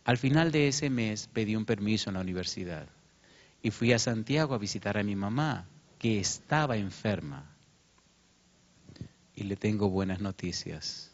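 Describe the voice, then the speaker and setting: A man's voice: fairly low pitch, expressive, normal speed. Guy preaching, emotional storytelling, voice jumps up when quoting people, muffled lo-fi recording. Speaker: pastor. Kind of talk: sermon.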